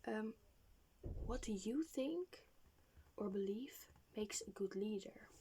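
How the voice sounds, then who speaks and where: A woman whispering softly in an ASMR therapist roleplay, breathy and creaky, gently and hesitantly asking questions. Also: mid-range voice, expressive, slow pace, slight background noise.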